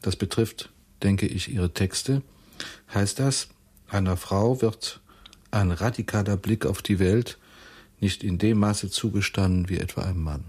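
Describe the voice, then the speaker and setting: Male interviewer, probing and formal; low, slightly husky voice. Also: measured pace, darkish tone.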